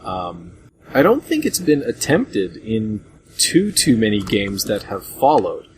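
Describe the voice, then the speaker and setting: A man hosting a casual group discussion about retro games in a rambling, hesitant way, on a low-grade voice chat recording. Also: wildly swooping pitch, slow pace, a little hiss or hum, poor audio. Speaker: podcast host.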